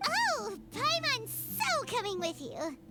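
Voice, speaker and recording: A woman voicing an excitable, impatient, childlike fairy companion in a video game, squeaky and whiny. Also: slow pace, loud music behind the voice, heavily acted. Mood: eager.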